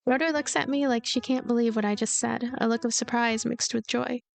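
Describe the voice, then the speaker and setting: Casting: woman, higher voice, expressive visual novel narrator and let's play host, game music underneath. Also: brisk, creaky. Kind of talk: expressive story narration with casual commentary.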